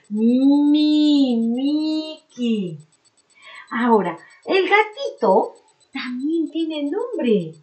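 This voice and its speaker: A woman teaching a remote lesson to four-year-olds, speaking slowly in a sing-song way and chanting syllables for the children. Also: high-pitched, darkish tone. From Peru. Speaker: preschool teacher.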